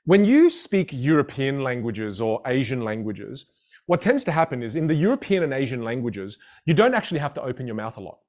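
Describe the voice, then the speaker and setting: A man's voice: mid-range voice, big pitch swings, a little fast, a little mellow, highs cut off. A man whose first language is a Chinese dialect teaches public speaking in a live online masterclass, upbeat and greeting viewers in the chat.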